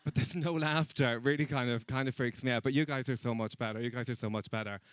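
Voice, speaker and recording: A man's voice: medium pitch, steady tone, fast, no echo. A young man doing a stand-up comedy set, chatty and teasing with the crowd and laughing at his own jokes. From Ireland. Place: comedy stage in a room with an audience.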